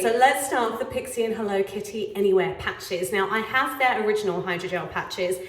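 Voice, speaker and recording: A woman with a nasal, stuffy voice from a cold, chatting enthusiastically through a casual makeup review. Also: mid-range voice. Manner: chatty, enthusiastic, gushing about products. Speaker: beauty vlogger. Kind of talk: casual product review walkthrough.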